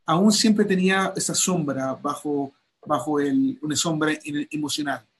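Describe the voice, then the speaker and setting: A man's voice: on the high side, steady tone, measured pace. A male host talking animatedly on a call, with many fillers and restarts. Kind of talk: enthusiastic call interview.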